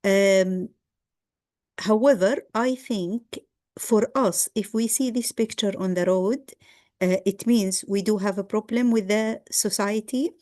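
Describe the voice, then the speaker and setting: A middle-aged woman from Egypt gives a lecture over a video call, speaking in a measured way with frequent ums and restarts. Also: mid-range voice, a little mellow. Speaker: guest lecturer. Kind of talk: online lecture.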